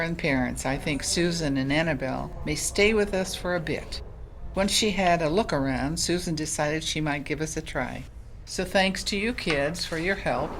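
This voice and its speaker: Woman doing a kind catholic sister in an audio drama, low voice, explains patiently. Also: slight background noise, lightly acted. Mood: welcoming. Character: kindly, patient Catholic sister running a charity center.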